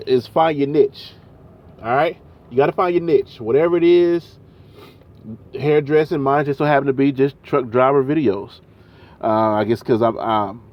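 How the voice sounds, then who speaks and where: A man's voice: medium pitch, highs cut off. A man with a chest cold, coughing now and then, talking loosely and casually in a vlog. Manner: loose, chatty, slangy. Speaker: vlogger; truck driver.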